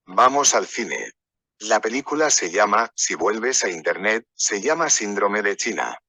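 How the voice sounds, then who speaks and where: Low, bright-voiced man telling stories. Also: sing-song, moderate pace. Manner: rambling, anecdotal, conversational. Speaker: workshop speaker. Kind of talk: storytelling lecture.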